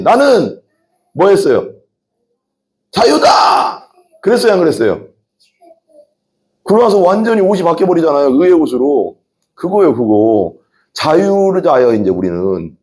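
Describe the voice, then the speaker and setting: A male pastor preaching a sermon in a lively way, often putting questions to the congregation. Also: fairly high pitch.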